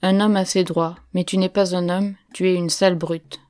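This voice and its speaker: A woman's voice: fairly low pitch, level tone, normal speed, a little mellow, smooth, lightly acted. A woman reading the part of a stern, commanding mining engineer who gives curt orders.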